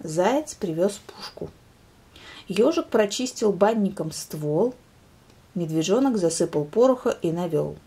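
A woman reading a children's story aloud in a calm, expressive manner. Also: lowish voice, a little slow, husky. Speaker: reader.

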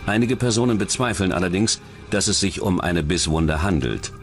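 Low-pitched man narrating true crime over music. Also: animated, moderate pace. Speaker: documentary narrator.

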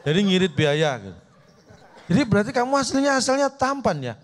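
A man judging a stand-up comedy contest on TV, teasing a contestant in a mock-serious, drawn-out way. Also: sits high, very animated. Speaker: comedy competition judge. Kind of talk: bantering critique on a TV comedy show. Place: TV studio.

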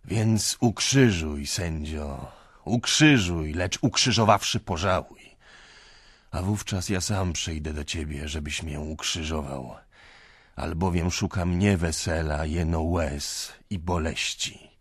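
A man's voice: a bass voice, fairly even intonation, unhurried, husky, no room sound, clean studio sound, heavily acted. A man reading an audiobook, voicing a drunken aging clerk who pleads and preaches in a wavering, pitiful voice. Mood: anguished.

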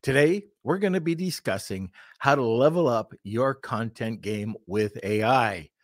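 A man hosting a business podcast in a lively, chatty way, introducing guests and reading sponsor spots. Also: mid-range voice, a little slow, no echo, studio quality. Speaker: podcast host. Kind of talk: podcast interview.

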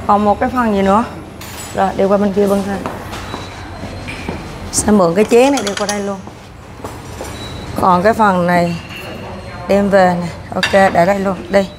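A woman's voice: medium pitch, steady tone, moderate pace, long pauses, noisy background. Woman in her 30s vlogging at a hotel buffet, easy chatty talk, plates and cutlery clinking behind. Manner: chatty, narrating while serving herself food. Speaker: food vlogger. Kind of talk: casual walkthrough vlog. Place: hotel breakfast buffet room, indoors. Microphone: clip-on lapel mic.

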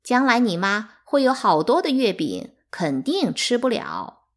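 A woman's voice: mid-range voice, big pitch swings, a little slow. A woman reading aloud, voicing a scheming middle-aged concubine who speaks slyly, with false sweetness.

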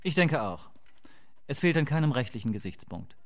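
Radio drama clerk: dutiful, deferential, formal, with lively intonation at middling pitch. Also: male voice, normal speed. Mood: obliging. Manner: formal, obliging. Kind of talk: German radio drama acting.

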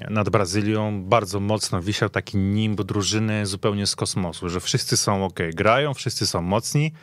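Low-pitched man talking football. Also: dry recording. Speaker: panel guest. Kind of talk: casual sports podcast discussion. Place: radio studio.

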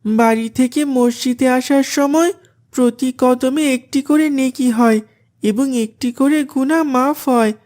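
A woman's voice: high-pitched, unhurried, a little mellow. A woman voicing a dutiful, devout young boy in a cartoon, polite and earnest.

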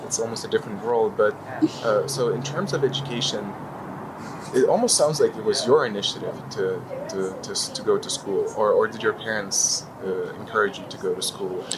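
A man's voice: on the low side, a little fast. A young man from Lithuania hosting a podcast, asking curious, reflective questions in an outdoor dome. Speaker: podcast host. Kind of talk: conversational interview. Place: outdoor glass dome on a city square. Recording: street noise behind.

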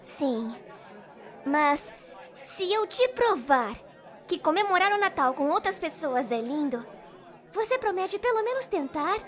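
Woman as a sweet insistent little girl, very high voice, swooping intonation, eager, comic dub drama. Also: big pitch swings, unhurried, some chatter behind, full character voice. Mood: gentle persuasion. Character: cheerful, caring young girl, gently insistent.

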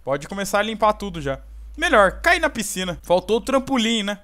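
Gamer brasileiro agitado e falante. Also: male voice, high voice, brisk. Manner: excitable, scolding the characters, slangy. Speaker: gameplay host. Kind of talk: casual gameplay commentary.

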